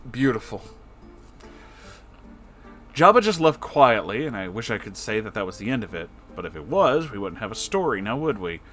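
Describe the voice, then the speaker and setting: A man reading internet stories aloud in an expressive, effusive way, breaking in with casual, emotional asides. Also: on the low side, normal speed, pauses often, music in the background. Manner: emotional, effusive, reactive, profane.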